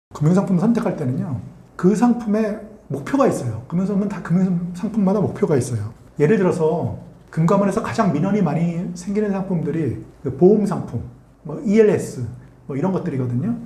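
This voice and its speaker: A man speaks at a fairly quick pace in a high pitch, his intonation lively, with noticeable background noise and audible room echo. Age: 50s. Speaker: finance author and asset management executive. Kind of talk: interview monologue, explanatory talk. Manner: measured, with fillers.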